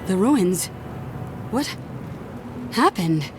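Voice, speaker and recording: An actress playing a shaken, entranced woman in a video game, speaking haltingly and repeating words as if prophesying. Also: medium pitch, sing-song, over music. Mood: dazed dread. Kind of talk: video game character acting.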